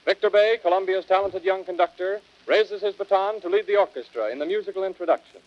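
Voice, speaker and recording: A man's voice: sits high, quick pace. A man working as a radio announcer, reading formally in a 1930s broadcast style. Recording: dull, band-limited vintage radio recording.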